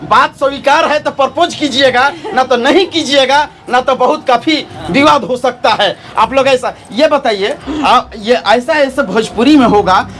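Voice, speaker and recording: A man with a Bhojpuri-influenced Hindi accent asks informal interview questions in halting, repetitive phrases. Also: very high voice, fairly bright tone.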